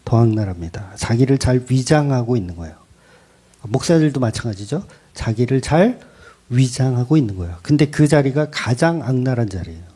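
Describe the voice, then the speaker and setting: A male pastor preaching a sermon in a blunt, colloquial, animated way. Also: medium pitch, a little fast, husky.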